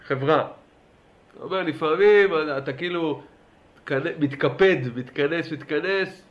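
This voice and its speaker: Animated man giving a lively lesson. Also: a little high, lo-fi sound. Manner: animated, urging listeners, asks questions. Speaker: Torah teacher. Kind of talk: lively classroom lecture.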